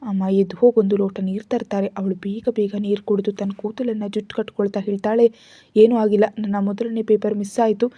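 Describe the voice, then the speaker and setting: A woman's voice: medium pitch, flat delivery, a little fast, dark tone, husky, no room sound, close to an everyday voice. A woman voicing a proud teenage schoolgirl who sounds tense and worn out. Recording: dull lo-fi recording.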